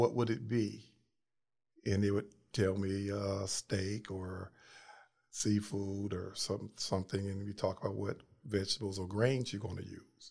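At a fairly slow pace with long, frequent pauses, a man with a fairly low pitch speaks in a somewhat breathy, monotone, flat way. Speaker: physical education coach. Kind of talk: casual interview. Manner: soft-spoken.

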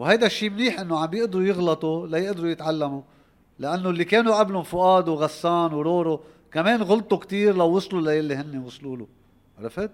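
With ordinary pitch variation, the speech runs at a fairly quick pace. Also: man, high pitch for a man. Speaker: former basketball player. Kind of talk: casual interview.

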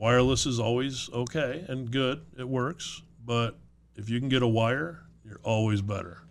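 Using a plain, everyday voice, a man speaks at a medium pitch and moderate pace with ordinary pitch variation and big swings in loudness. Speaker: racing broadcast company owner. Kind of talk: casual chat.

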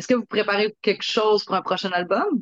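A woman in a Quebec accent talks at a medium pitch with ordinary pitch variation. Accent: Québécois French. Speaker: podcast co-host. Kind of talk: interview.

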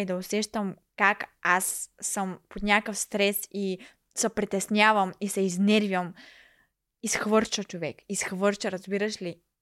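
A woman at a very slow pace, dry and close with no echo, on a very clean recording with a silent background. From Bulgaria, Plovdiv. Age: 20s. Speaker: influencer. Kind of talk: casual chat.

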